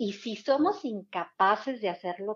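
An unremarkable speaking voice from a woman, fairly high in pitch with ordinary pitch variation, at a fairly slow pace, dry and close with no echo against a quiet background. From Mexico–US border region. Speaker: meditation teacher and actress. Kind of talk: casual interview chat.

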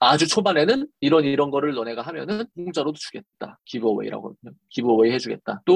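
Man at a very fast pace with hardly any pauses, fairly high pitch, lively intonation and big swings in loudness, dry and close with no echo. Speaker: NFT creator. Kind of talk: interview.

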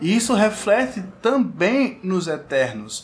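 Noticeable background noise behind a male voice with very wide pitch swings. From Brazil. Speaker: podcast co-host. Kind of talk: casual chat.

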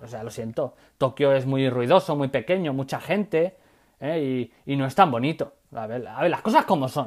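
Fairly quick speech from a man at medium pitch, with ordinary pitch variation, on a very clean recording with a silent background. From Extremadura, Spain (Badajoz). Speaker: travel podcaster. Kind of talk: casual monologue. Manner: animated.

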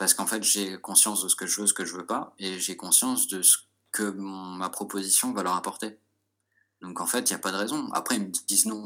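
The recording is very clean and the background silent. In it, a man speaks fairly quickly. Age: 20s. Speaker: UX/UI designer and startup founder. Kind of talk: interview. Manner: hesitant with fillers.

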